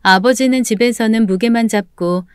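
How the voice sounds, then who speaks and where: A woman's voice: fairly high pitch, normal speed, smooth, no echo, clean studio sound. A woman narrating a scripted family drama in first person, with emotional, indignant delivery. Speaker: narrator and lead voice actor. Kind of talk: scripted story narration with acted dialogue.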